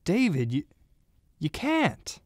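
A reckless young gunman, played by a man in a radio play, defensive and quick to plead. His pitch jumps around freely, and the sound is dry and close. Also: wildly swooping pitch, darkish tone, no echo, full character voice. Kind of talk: amateur radio drama.

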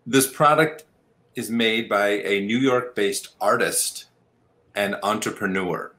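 A man's voice: lowish voice, slow, pushed and bright. A middle-aged man hosting a guessing game show as its host over a video call. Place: home room on a video call.

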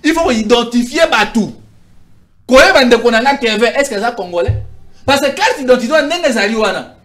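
A high-voiced man in his thirties makes his case in a studio debate, his pitch swinging widely as he gestures and stammers through restarts. He talks into a lapel mic. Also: animated, normal speed, a bit bright, soft background music. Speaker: political commentator. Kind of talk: heated talk-show debate.

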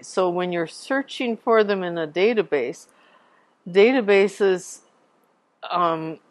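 Slow-paced woman giving a genealogy talk. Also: deep voice, no room sound. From Canada. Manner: unhurried, explanatory, spells out names letter by letter. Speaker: genealogy presenter. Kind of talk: informal presentation to a local society.

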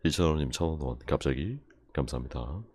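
A young man live-streaming, ranting in exasperation and going over the same point again and again with sudden shouts. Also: a bass voice, quick pace. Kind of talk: casual live-stream rant.

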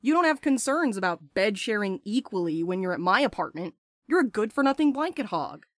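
Actress doing a cocky impulsive young woman, sarcastic, medium pitch, podcast drama, very dry recording. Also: big pitch swings, fairly quick, no echo, natural voice. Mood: brash, teasing. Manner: crude, sarcastic, bantering. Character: brash, playful, impulsive young postal worker friend. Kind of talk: audio drama acting.

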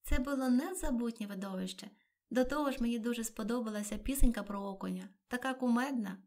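An eager, polite young girl from a storybook, her voice lifted noticeably higher and brighter than the reader's own, as a woman puts her on. She exclaims with quick, wide-eyed enthusiasm. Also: natural voice.

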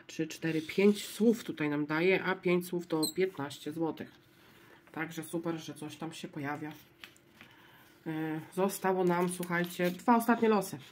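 Casting: woman vlogger, low voice, unhurried, murmurs letters aloud while checking scratch cards. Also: darkish tone. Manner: spells out letters one by one, low-key and murmuring. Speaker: lottery scratch-card vlogger.

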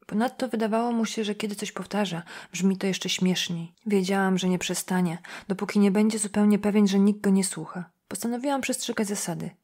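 Quiet, measured woman reading an audiobook. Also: medium pitch, breathy edge. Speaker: audiobook narrator. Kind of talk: scripted first-person narration.

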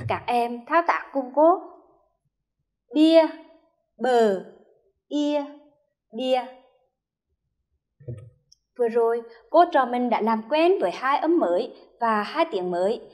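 A woman's voice: fairly high pitch, lively intonation. A woman primary school teacher with a Hue accent, leading a first-grade reading lesson and carefully modeling each sound for children to repeat. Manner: slow, careful modeling of sounds, drawn-out repetitions for children to echo.

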